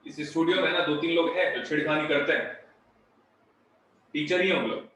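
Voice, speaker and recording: A man teaching in a fairly high voice, with his words bouncing back in a heavy canyon-like echo. He sounds distant from a studio mic, with faint noise underneath. He talks in a straight, firm and blunt way. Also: fairly quick. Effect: heavy echo, as if shouting in a canyon. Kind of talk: live online electronics class.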